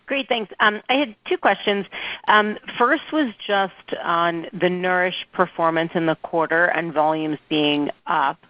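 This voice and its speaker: A woman's voice: on the low side, unhurried, dry recording. A woman calling in as an analyst, asking questions in a polite, conversational, unscripted way. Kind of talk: unscripted questions on conference call. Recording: dry, dull conference line.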